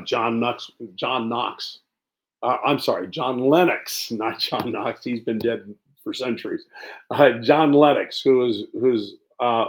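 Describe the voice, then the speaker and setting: A man preaching an Easter sermon, building emphatic lists and dropping to quiet, weighty endings. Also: mid-range voice, gravelly, poor audio.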